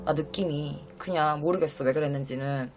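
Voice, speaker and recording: A young woman from South Korea hosting a live stream, telling a personal ghost story in an emotional, halting way, with many restarts. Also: low voice, fairly even intonation, darkish tone, slight background noise. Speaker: host. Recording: faint music under the voice.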